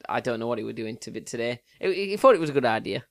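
A man co-hosting a podcast in casual chat, gently teasing and feeling his way through sentences. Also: medium pitch, lively intonation, racing. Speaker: podcast co-host.

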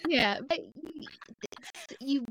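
A woman's voice: high-pitched, animated, takes it slowly, noisy background. A woman voice actor chatting on a panel, telling anecdotes and acting out quoted dialogue. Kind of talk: casual panel chat.

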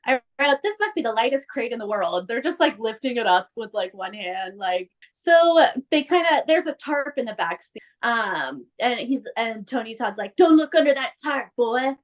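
Animated, high-voiced woman retelling a show. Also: moderate pace, few pauses. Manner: animated storyteller, acts out characters' lines with big pitch jumps. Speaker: podcast co-host recapping a TV episode. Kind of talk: casual chat.

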